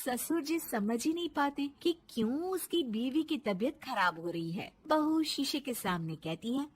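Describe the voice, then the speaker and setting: High-voiced woman narrating a cartoon. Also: animated, measured pace, few pauses, a little hiss or hum. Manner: dramatic storytelling.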